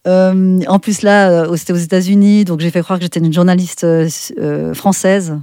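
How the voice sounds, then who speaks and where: A middle-aged woman with a Swiss French accent, chatting as a guest in an interview, full of fillers and restarts and quick to laugh. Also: on the low side, level tone, warm tone, clear, resonant tone, no echo, clean studio sound. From Switzerland. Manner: chatty, many fillers and self-corrections, laughs often. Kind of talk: casual interview chat.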